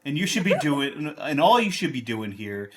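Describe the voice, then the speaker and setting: A man voicing a menacing, weary oni crime enforcer in a low gravelly growl, slow and condescending, in a tabletop game. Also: very animated. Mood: stern, scolding.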